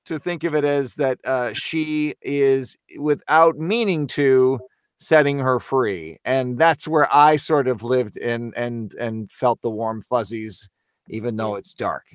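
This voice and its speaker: A man in a casual podcast discussion, talking expressively and halting to repeat words as he thinks. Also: mid-range voice, clean tone, no echo, studio quality. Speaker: voice actor, podcast guest.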